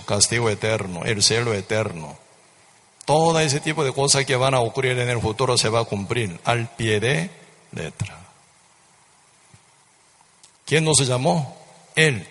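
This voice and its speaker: A man's voice: medium pitch, fairly bright tone, breathy edge. A man preaching a sermon with fervent repetition, often tossing rhetorical questions at his listeners. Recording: reverberant hall.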